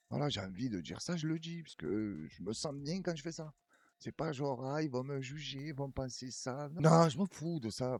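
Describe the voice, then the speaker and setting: A man's voice: medium pitch, a little mellow, dry recording. A man casually rambling through a reaction commentary, chatty and laughing often. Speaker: news commentary host.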